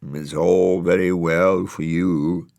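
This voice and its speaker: Gloomy weeping willow trees, voiced by a man wail in slow, drawn-out moans. The sound is sorrowful and dragging, with a gravelly edge. It is recorded dry. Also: deep voice, steady tone, a little mellow, dry recording, full character voice. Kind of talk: storybook character voice.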